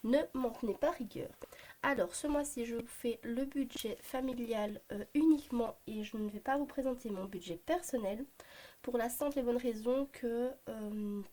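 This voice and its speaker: A woman in her thirties with a Belgian French accent, hoarse from a cold, chatting to camera about her family budget with many hesitant fillers. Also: a little high, normal speed, dark tone. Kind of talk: casual talk to camera. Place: home at a desk, morning.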